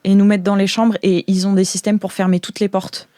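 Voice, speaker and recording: A woman's voice: mid-range voice, level tone, fairly quick, mellow, no room sound. A woman running an improvised role-play as game master, colloquial, hesitant and prone to exclaiming.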